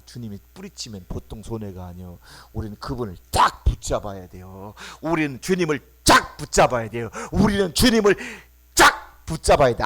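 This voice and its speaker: Emphatic Korean pastor preaching. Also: male voice, medium pitch, fairly bright tone. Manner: emphatic, calls for congregation responses, acts out quoted voices. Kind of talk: sermon. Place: church sanctuary.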